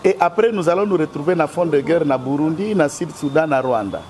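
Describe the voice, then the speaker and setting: A man's voice: a little high, a little fast, darkish tone, a little hiss or hum. A man with a Congolese French accent, a guest in a political interview, speaking in an emphatic, argumentative way.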